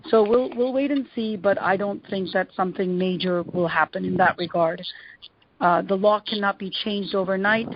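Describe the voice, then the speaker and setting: A middle-aged woman speaking as an attorney advising callers, in a halting, measured way, often rephrasing herself. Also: mid-range voice. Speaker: immigration attorney answering callers. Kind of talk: advisory question-and-answer on a conference call. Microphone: phone conference line. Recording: dull, lo-fi conference call line.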